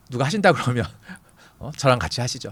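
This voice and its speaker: A man talks very fast in a medium pitch. His intonation is lively. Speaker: startup educator. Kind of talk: lecture. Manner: gets loud while lecturing.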